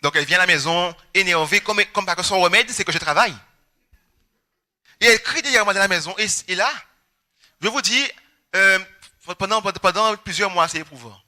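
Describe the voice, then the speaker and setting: A young Guadeloupean man preaching a personal testimony, animated and storytelling, acting out his family's words. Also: high-pitched, brisk, long pauses. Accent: Guadeloupean French. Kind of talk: testimony sermon.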